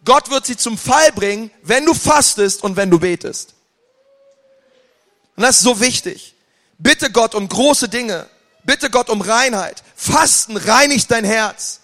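A man preaching a sermon with passion, moving between loud outbursts and quiet, intense stretches. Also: very high-pitched, expressive, unhurried. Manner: impassioned, swings from loud to quiet. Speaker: pastor. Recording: long hall reverb.

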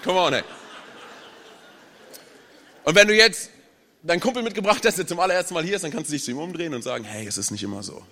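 A young man's high, bright voice fills a church with a long hall echo. He preaches as a guest speaker, lively and chatty, throwing jokes at the congregation. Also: fast, pauses often. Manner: energetic, chatty, tells jokes. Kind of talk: sermon. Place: large church hall with audience.

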